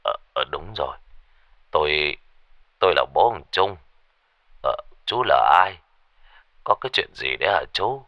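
A man's voice: very deep voice, animated, unhurried, pauses often, bright, forceful tone, dry recording, muffled recording, pitched below the performer's own voice, heavily acted. A man voicing an elderly grieving father, wailing, stammering and cursing in despair. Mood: anxious. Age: older.

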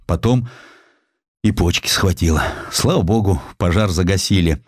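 A man's voice: lowish voice, darkish tone, no room sound, studio quality, lightly acted. A man voicing an elderly, ailing provincial collector, proud and plain-spoken, with old-fashioned, emotive speech in an audiobook. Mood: fearful, rueful.

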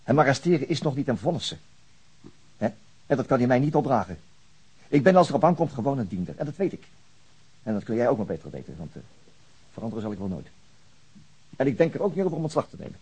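An actor playing a weary, principled veteran policeman in a radio drama, brooding and halting as he searches for words. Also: on the low side, big pitch swings, darkish tone, slightly rough, poor audio. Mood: agitated, defiant. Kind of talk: naturalistic Dutch radio drama acting.

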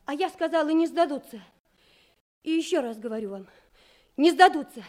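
Brave girl, very high voice. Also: animated, moderate pace, a little mellow. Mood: defiant. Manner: earnest, defiant. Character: brave, defiant young girl, a Soviet commander's daughter. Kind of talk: Soviet radio drama acting. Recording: old radio drama with background music.

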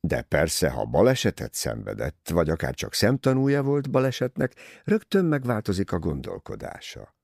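A man reading an older detective in an audiobook, measured and gently ironic. He lectures with a lively rise and fall, his voice gravelly. It is dry and close-miked. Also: low-pitched, no echo, exaggerated voice. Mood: reflective.

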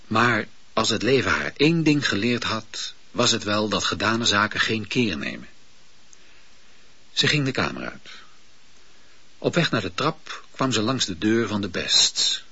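A man narrating a radio play in a measured, intimate storytelling manner. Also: on the low side, sharp tone, slightly rough, dry recording. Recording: dull lo-fi radio recording.

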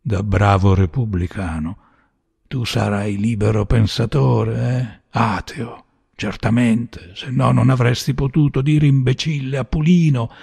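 A man voicing a bitter, desperate young man who speaks with grim scorn that rises into a rant, in a gravelly, husky voice. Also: medium pitch, fairly even intonation, measured pace, darkish tone. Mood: cold, bitter.

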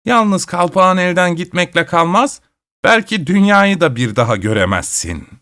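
A man voicing a shrill, screechy old witch who cheats at cards and taunts her opponent. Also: animated, normal speed, bright, forceful tone, heavily acted. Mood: taunting. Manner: mocking and taunting. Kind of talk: storytelling.

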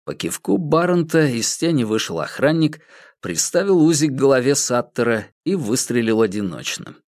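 Male audiobook narrator, measured, expressive pitch. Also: no room sound, clean studio sound. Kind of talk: scripted narration.

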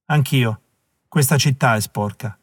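A man voicing a calm, grave Native American man. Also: medium pitch, no echo, studio quality, natural voice. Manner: calm, quiet, measured.

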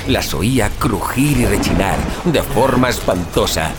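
A man's voice: fairly low pitch, lively intonation, unhurried, heavy background noise. A man playing a weary, frightened explorer who recounts his ordeal in solemn, literary, suspenseful first-person audio fiction. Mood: horrified. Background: music bed.

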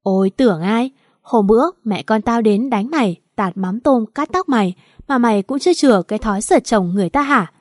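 A woman's voice: fairly high pitch, expressive, brisk, dry recording, studio quality. Woman doing a sneering spiteful young woman. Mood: scornful. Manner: sneering, scornful.

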